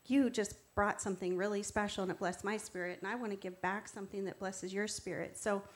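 A woman's voice: medium pitch, fairly even intonation, brisk. A woman preaching in a conversational style, earnest and instructive as she encourages her listeners. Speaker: preacher giving testimony. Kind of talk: conversational sermon.

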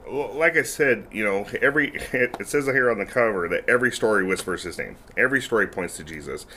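A man's voice: fairly low pitch, animated, fairly quick, sharp tone. Male church co-host, easygoing and affirming, faint hiss under the voice. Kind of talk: casual chat.

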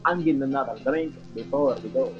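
A man's voice: mid-range voice, fairly quick, soft background music, lightly acted. A man playing a cocky, belligerent drunk in an audio drama, swaggering and crude, on a slightly dull recording. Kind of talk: audio fiction acting.

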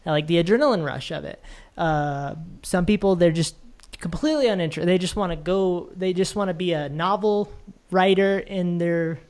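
A man's voice: high voice, moderate pace, a little mellow, smooth. A man hosting a casual conversation, talking in a thoughtful, reflective way with frequent restarts. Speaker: podcast host.

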